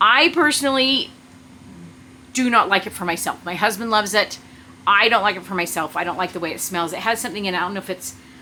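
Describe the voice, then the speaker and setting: A very fast woman's voice, bright and sharp in tone, medium in pitch, with lively intonation. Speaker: soap maker. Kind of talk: tutorial.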